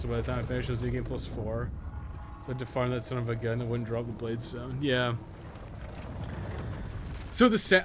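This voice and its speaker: A man with a mid-pitched voice talks casually over live gameplay. He is candid and informal, chatting to viewers as he plays. Faint noise and ambience sit behind his voice. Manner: informal, candid, lightly swearing, conversational. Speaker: game streamer and guide maker.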